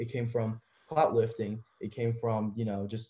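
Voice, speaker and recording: A man with a medium pitch talks in a dark, mellow tone that is somewhat breathy. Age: young. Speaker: powerlifter. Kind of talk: casual chat.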